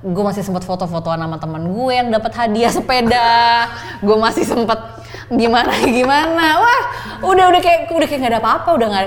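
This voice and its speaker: Woman host, higher-pitched, lively, laughs through her stories; long-reverb room with faint noise. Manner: animated, laughs often while telling. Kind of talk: casual storytelling chat.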